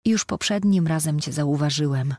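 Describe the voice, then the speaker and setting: A woman's voice: low-pitched, moderate pace, a little mellow, no room sound, studio quality. A woman reading a proud wounded young soldier. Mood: joking proud. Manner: joking, then earnest and insistent.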